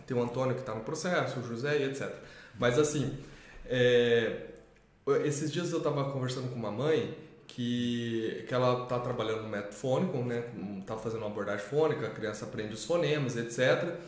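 A man co-hosting a literacy channel talks casually about teaching children to read, rambling with many restarts and tag questions. His voice is mid-range and a little fast, and the room echoes.

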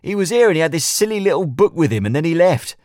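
A man's voice: fairly high pitch, big pitch swings, quick pace, a little mellow, no room sound, studio quality, pitched above the performer's own voice. A man voicing a tired, irritable civilian who grumbles and complains with exasperation. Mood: irritated.

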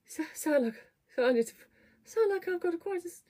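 A woman hosting a fitness studio livestream, chatting casually to viewers in a slightly croaky, rough voice, rambling with lots of fillers. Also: high-pitched, expressive, normal speed, dark tone. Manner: chatty, rambling, self-deprecating, many fillers. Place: home, at a desk. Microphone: webcam or computer mic at a desk.

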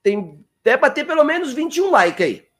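A man leads an English class on a live stream in a very high-pitched voice, with big pitch swings and a slightly bright sound. Chatty and coaxing, he drills pronunciation by repeating words slowly and calls on viewers by name.

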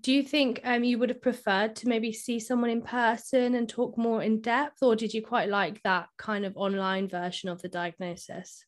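A woman hosting a podcast with a slightly high voice. She asks friendly, rambling questions with plenty of ums and likes. Her tone stays easygoing throughout. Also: level tone, moderate pace, few pauses. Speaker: podcast host. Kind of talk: podcast interview.

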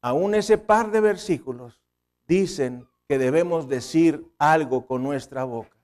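A man with a northern Mexican accent preaching a sermon as pastor, emphatic, with sudden rises in pitch and loudness, telling humorous anecdotes. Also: unhurried.

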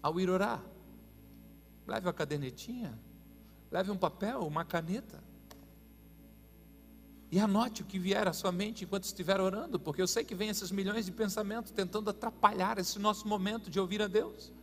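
A man preaching a sermon as a pastor, swinging between ringing declarations and hushed, intimate passages. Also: high-pitched, moderate pace, pauses often, a little hiss or hum. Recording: long hall reverb with faint music.

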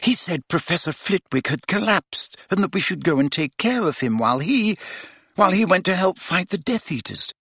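A man voicing a distraught teenage witch who blames herself in a high-pitched, muffled, halting whisper. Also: very animated, a bit bright, breathy edge, no echo, full character voice. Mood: ashamed, distraught. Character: distraught teenage witch, ashamed and self-blaming.

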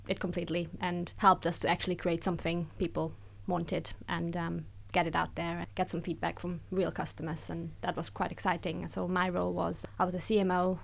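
Upbeat Austrian woman with a gravelly edge. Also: lowish voice. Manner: chatty and upbeat, quick asides with laughs. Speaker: guest, accelerator program director. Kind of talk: casual interview talk.

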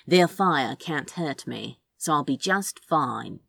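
Woman putting on a cocky, low-pitched sorcerer. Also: lively intonation, slow pace, creaky, a bit bright, husky, dry recording, exaggerated voice. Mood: confident, businesslike. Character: cocky, unflappable male sorcerer, fond and wry.

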